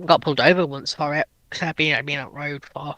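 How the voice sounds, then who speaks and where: A man's voice: on the high side, fairly even intonation, quick pace, bright, forceful tone, no echo. A man bantering casually as a panelist on a livestream.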